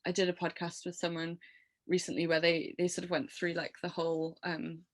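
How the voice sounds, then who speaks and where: Animated low-voiced woman in her thirties. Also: a little fast, no echo. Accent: English. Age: 30s. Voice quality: low voice from years of smoking. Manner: animated, laughs often, lots of fillers. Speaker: musician guest. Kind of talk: casual interview chat.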